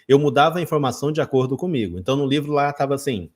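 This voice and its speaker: Male English teacher from Brazil, casual lesson, mid-pitched, conversational, acts out examples. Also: animated, very fast, darkish tone. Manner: chatty, talks straight to viewers, acts out his own learner self.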